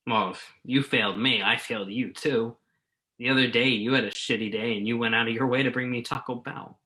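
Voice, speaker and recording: A man's voice: medium pitch, steady tone, a little fast, bright, forceful tone, lightly acted, rough recording. A man acting the part of an earnest, wordy, self-doubting journalist in a staged play reading. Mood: earnest, apologetic. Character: remorseful male entertainment journalist, self-doubting, argumentative, earnest.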